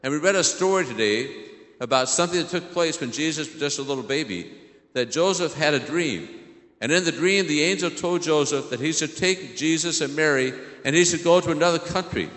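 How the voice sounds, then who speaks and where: American priest preaching in a reverberant church. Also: male voice, on the high side, lively intonation, brisk, fairly bright tone. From southern Illinois, United States. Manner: simple questions to children, repeats their answers. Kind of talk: children's homily in church. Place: large indoor church. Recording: echoey church hall, long reverb.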